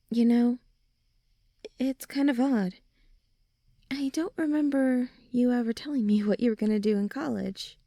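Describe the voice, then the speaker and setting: A young woman playing a supportive teenage girl in an ASMR roleplay, talking gently and informally as a caring best friend. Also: on the high side, no room sound, studio quality. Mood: wistful, curious. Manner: gentle, reassuring, informal, often sighing or softly laughing. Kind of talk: ASMR roleplay audio drama.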